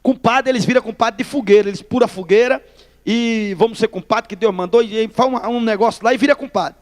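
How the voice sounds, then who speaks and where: A Northeastern Brazilian man gives his testimony from the pulpit, folksy and chatty, often calling the congregation brother. His voice sits very high for a man. Long reverb from a large church hall trails behind his words. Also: brisk. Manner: folksy storytelling, addresses listeners as brother. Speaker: pastor. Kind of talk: testimony sermon.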